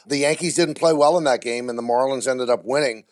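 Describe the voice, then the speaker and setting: A man's voice: medium pitch, a little fast. A man speaking as an interview guest, candid and blunt, with vivid comparisons. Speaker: baseball TV play-by-play announcer, guest.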